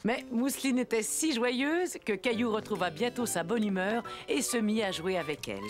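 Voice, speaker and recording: A woman narrating a preschool cartoon as a gentle, expressive storyteller. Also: fairly high pitch, moderate pace, music in the background, close to an everyday voice. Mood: gentle storytelling. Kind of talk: scripted children's story narration.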